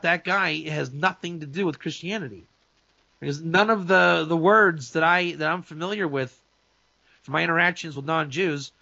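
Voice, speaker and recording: A man's voice: fairly high pitch, vocal fry, sharp tone, no echo, lo-fi sound. A man, a rabbi, talking in a casual, opinionated talk-show chat, emphatic and full of restarts and asides. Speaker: rabbi and guest speaker.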